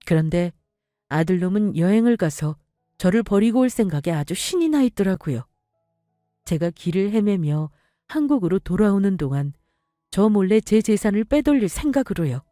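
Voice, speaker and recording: A woman's voice: mid-range voice, expressive, normal speed, dark tone, dry recording, studio quality, soft background music. A woman narrating a dramatic first-person story with a bitter, scolding manner.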